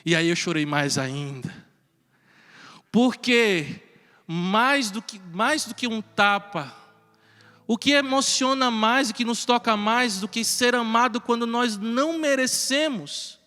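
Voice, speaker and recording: A man, a priest telling a personal story in a sermon, animated and then hushed for tender moments. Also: very high-pitched, slow. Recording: reverberant church hall with faint music.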